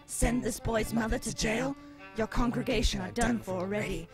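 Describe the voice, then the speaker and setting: An imperious ancient spirit stuck in a housewife's body, acted by a woman. The voice sits fairly high, commanding and scornful, with music clearly playing underneath, as in a radio play. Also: fairly even intonation, normal speed, close to an everyday voice. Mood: sardonic, impatient. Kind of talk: audio drama acting.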